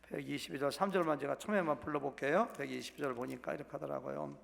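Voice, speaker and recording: A male pastor delivers a Sunday sermon from the pulpit in a conversational manner, often asking the congregation questions. His voice sits a little high and has a gravelly edge. The sound rings with the long reverb of a church sanctuary. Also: fast.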